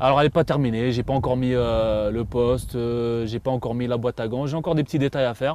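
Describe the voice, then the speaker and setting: A man at a very fast pace with fairly even intonation, in a dry sound with no echo and light background noise. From Algeria, Batna. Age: 40s. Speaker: car enthusiast. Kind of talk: interview. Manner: hesitant, many fillers. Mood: calm, enthusiastic about his car.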